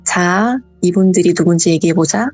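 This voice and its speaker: A woman voicing a creepy aunt whose sugary coaxing turns to sharp scolding, in a husky voice. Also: on the low side, moderate pace, no room sound, muffled recording, soft background music. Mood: sweet coaxing. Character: creepy aunt, mood swinging from sweet to shrill.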